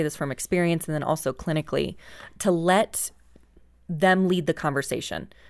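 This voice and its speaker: In a very clean recording with a silent background, a woman with a plain, everyday voice and a fairly low pitch talks at a fairly quick pace with fairly even intonation. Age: 30s. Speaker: family therapist. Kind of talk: casual chat. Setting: studio.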